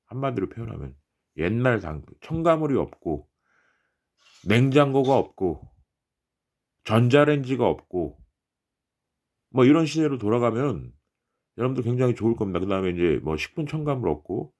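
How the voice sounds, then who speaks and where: A man's voice: medium pitch, very animated, normal speed, long pauses, a little mellow. A middle-aged man giving unscripted health advice straight to viewers in an emphatic, repetitive, politely urging way.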